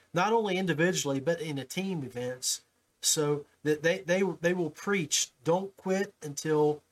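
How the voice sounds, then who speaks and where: In a relaxed podcast interview about fishing, the male host speaks folksily, often doubling up on words as he starts sentences. His voice leans high, and the recording, call audio captured through his own microphone, is rough.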